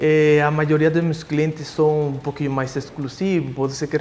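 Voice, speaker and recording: A man speaks at a fairly slow pace with a fairly high pitch. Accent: non-native. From foreign country. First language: not Portuguese (speaking Portuguese). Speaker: electrician. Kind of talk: testimony. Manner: halting.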